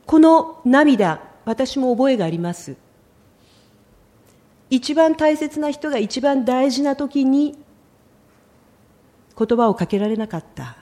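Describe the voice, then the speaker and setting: A middle-aged woman preaching a sermon in an expressive storytelling way, often acting out the lines she quotes. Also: sits high, slow, pauses often.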